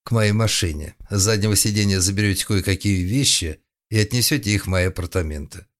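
A man's voice: lowish voice, brisk, lightly acted. Brief: male reader doing a hard, commanding woman in a thriller audiobook; short, cold orders. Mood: curt. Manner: curt and authoritative. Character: stern, commanding adult woman. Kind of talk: audiobook character voice.

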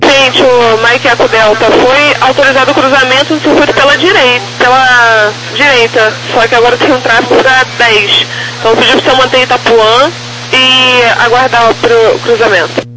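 A woman's voice: on the high side, fairly even intonation, normal speed. Female controller on noisy, crackly military-style radio. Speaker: air traffic controller. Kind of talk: procedural aviation radio instructions. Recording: noisy crackly air traffic radio recording.

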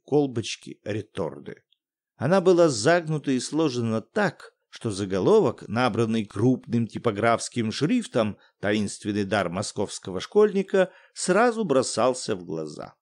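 Man reading a funny story aloud, really lively voice, theatrical. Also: mid-range voice. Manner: animated, theatrical. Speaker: audiobook narrator. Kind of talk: expressive storybook narration.

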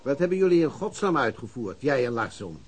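An actor playing an anxious, indignant police superior in a Dutch radio drama, reproachful and authoritative. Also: male voice, mid-range voice, very animated, brisk, breathy edge, faint music behind.

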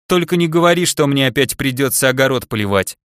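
A man's voice: mid-range voice, expressive, quick pace, a bit bright, dry recording, clean studio sound, natural voice. A man voicing a cheerful, teasing male craftsman friend in an audiobook. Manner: grinning, teasing.

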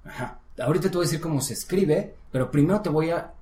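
A man's voice: fairly high pitch, fast talker, dark tone. A man teaching English one-on-one, explaining patiently and encouraging his student. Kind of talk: one-on-one language lesson. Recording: roomy echo.

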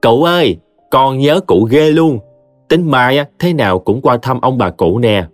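A man's voice: mid-range voice, measured pace, dry recording, clean studio sound, faint music behind, voice pushed up, natural voice. A man voicing a cheeky, wheedling little boy in a told story. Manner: whiny, coaxing.

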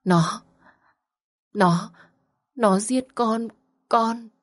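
A woman voicing a spiteful pregnant young woman, hoarse and gasping as she pleads. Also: mid-range voice, moderate pace, lightly acted. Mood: pleading.

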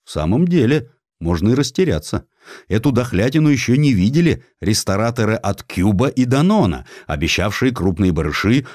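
A man narrating a historical story theatrically, with a dramatic, expressive delivery. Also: lowish voice, a little fast, no room sound, studio quality.

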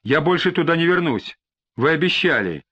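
A whining, tearful suspect, as a male reader puts him on, pleading and snapping in turns. The pitch swings widely and sits a little high. The recording is slightly dull and lo-fi. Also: animated, moderate pace, fairly bright tone. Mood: desperate. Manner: sobbing, pleading and irritable.

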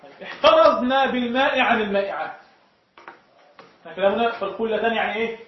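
A man with an Egyptian Arabic accent leads a classroom lesson on jurisprudence and keeps asking the class whether each point is clear. His voice sits high. The recording is dull and lo-fi, with heavy echo from the lecture room. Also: fast. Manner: explains point by point, often asks the class if it is clear. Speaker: sheikh teaching Shafi'i jurisprudence.

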